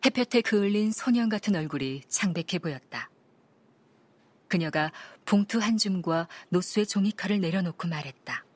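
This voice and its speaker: A woman narrating an audiobook in a calm, even storytelling manner. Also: lowish voice, normal speed.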